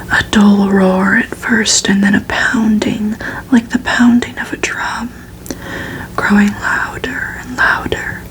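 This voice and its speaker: An ASMR reader whispers her way through a gothic novel, her mid-range voice breathy and unvoiced. She stays hushed and deliberate, pausing between phrases, though the audio is poor.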